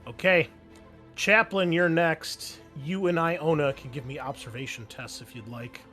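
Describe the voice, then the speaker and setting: A man's voice: fairly high pitch, fairly even intonation, a little slow, pushed and bright, faint music behind. A man narrating a tabletop roleplaying game as game master, casually explaining the action and checking in with players.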